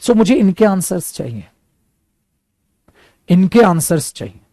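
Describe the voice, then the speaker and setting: Energetic, higher-pitched man teaching at a board. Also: no room sound, studio quality. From India. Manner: lively, emphatic, slows way down to spell out English example sentences; switches freely between Hindi and English, addresses students as friends. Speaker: spoken English teacher. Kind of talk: classroom lesson, explaining at a board.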